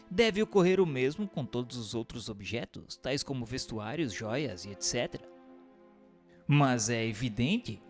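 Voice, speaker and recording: A man gives a scripted, formal and didactic reading of a book of questions and answers. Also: medium pitch. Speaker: narrator. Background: music.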